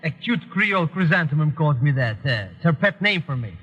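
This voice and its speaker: High-voiced, flamboyant Latin sidekick in old radio drama. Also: male voice, lively intonation, fairly quick, fairly bright tone, husky. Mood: eager, effusive. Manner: effusive, theatrical. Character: flamboyant, wheedling Latin sidekick, boastful and eager. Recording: dull, echoing old radio recording.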